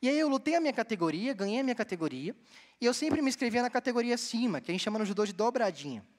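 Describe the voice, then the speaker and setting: A young man from Bahia, Brazil, preaching a sermon as a seminarian and telling stories with lively delivery. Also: very high-pitched, rapid-fire. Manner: storytelling, animated, addresses the congregation directly. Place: church hall. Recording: long church hall reverb.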